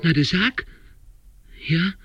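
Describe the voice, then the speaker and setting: A man's voice: on the high side, slow pace, loud music behind the voice. An actor playing an anxious young salesman turned beetle in a radio play, earnest and self-justifying. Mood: pleading.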